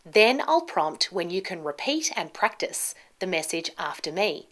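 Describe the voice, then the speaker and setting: Slow-paced woman teaching pronunciation. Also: on the low side, big pitch swings, a bit bright. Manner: deliberate, carefully enunciated with marked stress. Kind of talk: instructional lesson to camera, scripted. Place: small indoor studio with plain backdrop.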